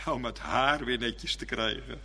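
A man's voice: medium pitch, unhurried, sharp tone, slightly rough. A male minister delivering an earnest, repetitive Reformed sermon in a church. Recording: long church reverb.

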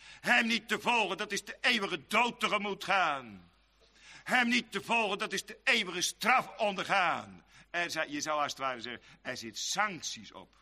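A man preaching a sermon in a church, his high, bright voice ringing with a long hall reverb. He lingers slowly over his exhortations, rising loud and drawn-out, then drops into soft, quick asides. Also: expressive.

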